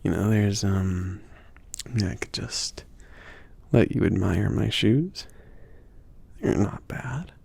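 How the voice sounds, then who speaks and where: A man playing a bashful, indulgent mage shopkeeper in an intimate ASMR roleplay, speaking in a breathy, gravelly half-whisper with a hesitant, gently teasing, rambling manner. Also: fairly low pitch, animated, slow, long pauses, heavily acted. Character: soft-spoken, bashful, easygoing male mage shopkeeper, indulgent.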